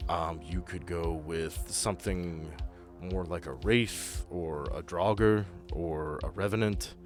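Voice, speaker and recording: A man's voice: sits low, steady tone, takes it slowly. A man acting as game master, narrating and making rulings in a casual, easygoing, conversational way. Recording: music playing under the voice.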